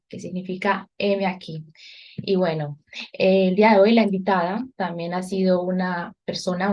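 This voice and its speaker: A woman's voice: fairly low pitch, darkish tone. A woman hosting a religious gathering, reading devotional texts and introducing a guest. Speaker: host introducing a guest's testimony. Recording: dull, lo-fi audio.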